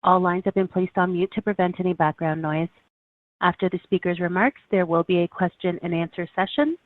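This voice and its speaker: Female call operator, slightly low voice, scripted announcement, dry phone sound. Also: fairly quick, no room sound. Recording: dry narrowband phone line.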